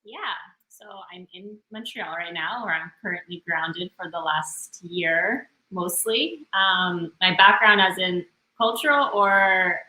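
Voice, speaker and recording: A woman, talking casually and haltingly as an interview guest. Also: on the low side, bright, forceful tone, reverberant, poor audio. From northern British Columbia, Canada, born in Romania. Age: 30s. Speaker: podcast guest.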